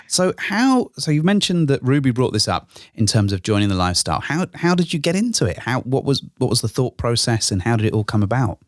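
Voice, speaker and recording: A man's voice: medium pitch, sing-song, fairly quick, few pauses, dry recording, clean studio sound. A man co-hosting a podcast in casual chat, with a joking, rambling manner. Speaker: podcast co-host.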